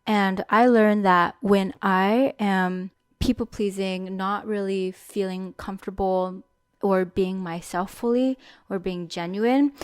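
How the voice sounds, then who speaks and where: A woman's voice: medium pitch, no room sound, studio quality. A young woman hosting a solo podcast, talking candidly and thinking aloud about what she has learned. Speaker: podcast host. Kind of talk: solo reflective podcast monologue.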